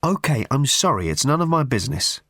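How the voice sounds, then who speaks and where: A man's voice: mid-range voice, very animated, a little fast, vocal fry, a bit bright, dry recording, studio quality, pitched above the performer's own voice, heavily acted. A man doing a flustered, apologetic traveller. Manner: hesitant, apologetic. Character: flustered, anxious adult man, a weary traveller.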